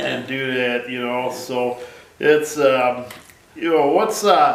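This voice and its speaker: Speaking very slowly, a man keeps a medium pitch with ordinary pitch variation. Noticeable background noise is audible. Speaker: pattern maker. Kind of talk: interview questions.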